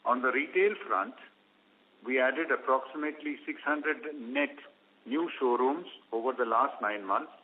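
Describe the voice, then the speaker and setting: Over a thin, phone-like conference line comes a man with an Indian accent and a medium-pitched voice. He presents company results from a script. His delivery is formal and measured, set out phrase by phrase like an executive reading to investors. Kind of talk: scripted earnings call presentation. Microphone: conference call line. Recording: phone-like, narrow-band conference call line.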